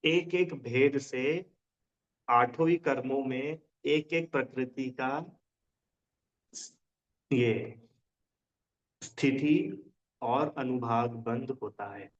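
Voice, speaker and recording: धीमे-तेज़ बोलता शिक्षक, धुंधली recording. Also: male voice, mid-range voice, extremely slow, long pauses. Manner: checks understanding often, uses everyday examples. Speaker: teacher of a religion class. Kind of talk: explaining lesson in casual Hindi. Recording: dull lo-fi sound.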